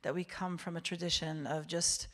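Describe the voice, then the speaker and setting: This native Hebrew speaker talks at normal speed in a fairly low voice with little pitch movement. She is a woman giving a heartfelt, emphatic inspirational address live to a synagogue congregation as a guest speaker, using repeated phrases for effect.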